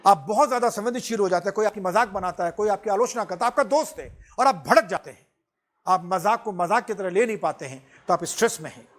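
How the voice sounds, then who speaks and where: Casting: high-pitched man, lively lecturer who laughs and switches between Hindi and English. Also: fast. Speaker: personality development teacher. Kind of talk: classroom lecture.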